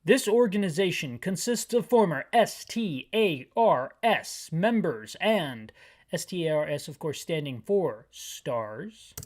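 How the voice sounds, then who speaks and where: This gaming YouTuber, a man in his thirties, speaks slowly but very animatedly in a fairly high voice. He rambles through hyper, self-deprecating commentary while describing a video game for listeners.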